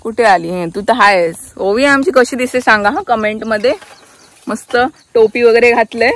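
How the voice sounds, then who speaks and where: A young woman vlogging outdoors on a village farm, chatty and quick to laugh as she calls out to her family. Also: on the high side. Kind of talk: casual vlog narration.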